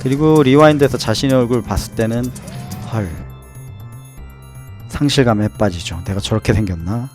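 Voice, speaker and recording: A man narrates in a casual explanatory style, at an average pitch. He dramatizes playfully and throws out rhetorical questions. Faint music plays behind his voice. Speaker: host and narrator, former pilot trainee.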